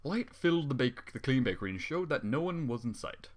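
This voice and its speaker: A man's voice: medium pitch, sing-song, fairly quick. A man reading a story aloud and breaking off into exasperated, sarcastic, swearing commentary. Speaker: fan fiction reader.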